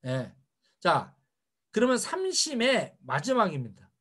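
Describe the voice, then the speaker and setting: A man's voice: high-pitched, wildly swooping pitch, slow, a bit bright. A middle-aged man giving a motivational seminar lecture, firing rhetorical questions at his audience. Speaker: seminar speaker.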